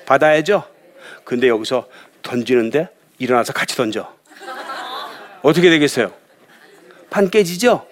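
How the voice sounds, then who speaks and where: A male pastor preaching a sermon in a lively storytelling way, often asking his listeners questions. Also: medium pitch. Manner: lively storytelling, acts out voices, asks the audience questions.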